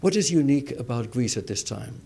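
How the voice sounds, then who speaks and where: A man's voice: medium pitch, animated, brisk, gravelly, warm tone, breathy edge. A man hosting a TV interview show, asking questions in a formal, polite way, addressing his guest as sir.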